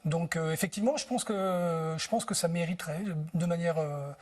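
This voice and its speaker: A book translator being interviewed on TV thoughtfully tells anecdotes and searches for words at times. His voice is a little high and his pace a little fast.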